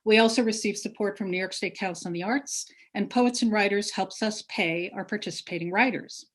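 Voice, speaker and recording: A woman's voice: medium pitch, a little fast. A woman event organizer giving housekeeping announcements and introductions to an online audience over a video call.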